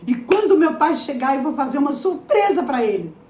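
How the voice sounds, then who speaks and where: A woman preacher voicing a joyful young daughter who talks in excited, pleading bursts. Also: brisk, reverberant. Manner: excited and pleading, high rising questions.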